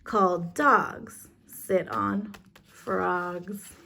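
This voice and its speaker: A woman's voice: on the low side, drawn-out words, gravelly, pushed and bright. A woman kindergarten teacher explaining a lesson casually, step by step, in an informal, encouraging way.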